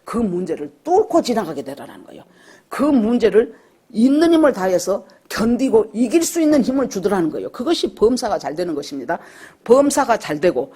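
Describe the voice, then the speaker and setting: A woman pastor in middle age delivers a sermon with a lively, swooping pitch. Her voice is slightly husky, and she keeps turning to the congregation with questions. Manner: animated, rhetorical questions to the congregation.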